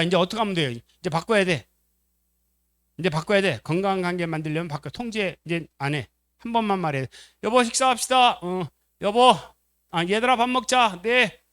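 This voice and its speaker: High-voiced, animated male preacher. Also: no echo. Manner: animated storytelling, acts out quotes, questions the congregation. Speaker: pastor. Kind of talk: sermon at a family seminar. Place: church.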